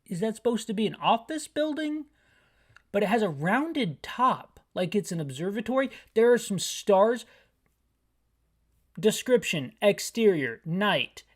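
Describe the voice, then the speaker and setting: A man's voice: high voice, sing-song, a little slow. A man in his thirties talks through a video game in a loose, rambling way, describing what he sees for listeners. His delivery is hyper and self-deprecating, full of restarts and asides. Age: 30s. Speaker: gaming YouTuber. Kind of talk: casual audio-description gameplay commentary.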